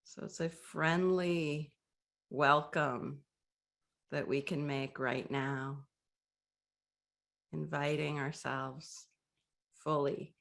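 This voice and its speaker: A woman leads a breathing meditation in a soft, gently inviting voice. She speaks very slowly, leaving long pauses between phrases. Her voice sits a little low and has a noticeable gravelly fry. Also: fairly even intonation. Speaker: meditation guide. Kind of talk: guided meditation.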